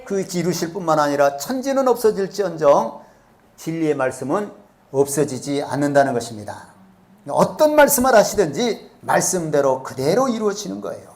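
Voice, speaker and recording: A man's voice: a little high, lively intonation, moderate pace, darkish tone. A male pastor preaching a sermon in a church, often asking the congregation questions. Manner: asks the congregation rhetorical questions. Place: church sanctuary.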